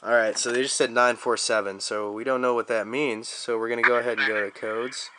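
A man's voice: mid-range voice, steady tone, a little fast, background noise. A young American man giving a casual, slangy, joking app demo as a video reviewer.

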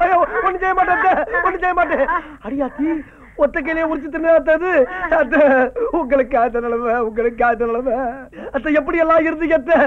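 An actor playing a grumbling, greedy comic farmer who rants and wails loudly, in film comedy dialogue. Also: male voice, extremely high pitch, fairly quick. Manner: loud comic wailing and ranting. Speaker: comic villager husband. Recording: dull lo-fi film soundtrack.

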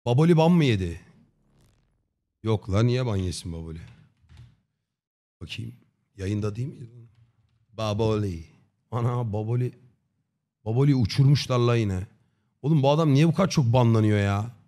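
A man in his thirties chatting casually on a livestream in a slangy, joking, deadpan way. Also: mid-range voice, normal speed, pauses often. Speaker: live streamer. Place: dim indoor streaming room. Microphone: close desk microphone with headset on.

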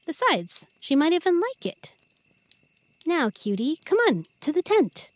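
A woman's voice: extremely high pitch, sing-song, a little slow, no echo, exaggerated voice. Woman acting as werewolf girlfriend, playful, possessive, affectionate, teasing, intimate audio roleplay. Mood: eager, affectionate.

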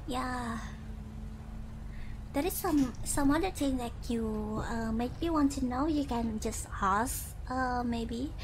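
Young woman, from Indonesia, high voice, slow halting speech, giggles, game stream chat. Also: slight background noise, poor audio. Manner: halting, searching for words, giggly. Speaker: virtual streamer. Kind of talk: casual chat while gaming.

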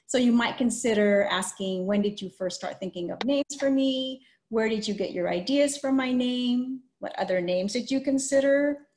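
The host, a middle-aged woman, interviews an author and reads aloud on a video call, using a computer mic in a small indoor room that sounds roomy and echoey. Her voice is a touch high and a little mellow, at normal speed with few pauses.

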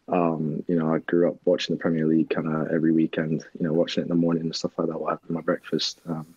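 Low flat young man, dull call audio. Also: breathy edge, no echo. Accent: mixed American and English. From Texas, US. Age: young adult. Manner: relaxed, hesitant, many ums. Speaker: soccer player, guest. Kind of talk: casual interview answers.

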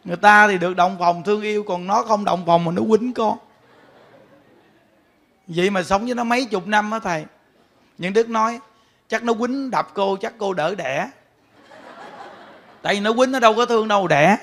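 A man's voice: high-pitched, fairly quick, pauses often. A man, a Buddhist monk giving a sermon, telling stories with frequent laughter and speaking straight to his listeners. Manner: animated storytelling, laughs often, addresses the audience directly.

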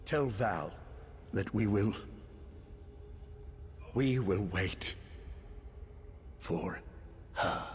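Dying older mage, low voice, very slow, fading. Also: male voice, slight background noise. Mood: tender. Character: dying older male mage saying farewell. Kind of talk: video game voice acting.

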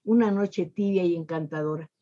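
A woman's voice: on the low side, normal speed, dark tone, highs cut off. An older woman hosting a television interview, speaking in eloquent, lyrical phrases from a home library over a video call. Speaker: interviewer and host. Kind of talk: warm formal television interview.

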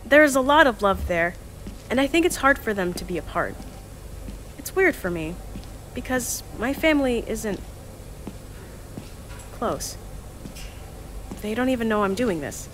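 Playing Jules, the upbeat, chatty young organizer of a time capsule team and narrator of its recordings, an actress speaks in a highish, expressive, slightly bright voice. She takes her time, leaving long pauses, and there's slight background noise. The manner is bubbly, talkative, and a little flustered.

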